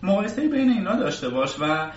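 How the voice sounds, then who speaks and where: A man's voice: sits high, big pitch swings. A man interviewing someone in a conversational style. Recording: echoey distant mic, muffled, faint hiss.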